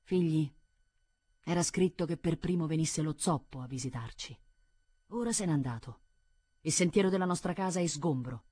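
A woman reading the part of a stern, dignified old man who speaks calmly and gravely, with a husky voice. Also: low-pitched, normal speed, long pauses, no echo. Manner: calm and grave. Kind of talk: audiobook reading.

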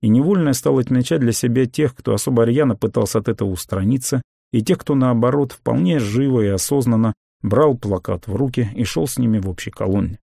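A man reading a memoir aloud as an audiobook narrator, in a calm, measured and reflective way. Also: mid-range voice, creaky, dry recording, studio quality.

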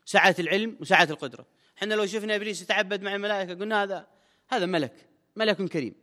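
A sheikh comments on a religious text with quick, emphatic colloquial speech. His voice sits high and bright. A long hall reverb trails his words.

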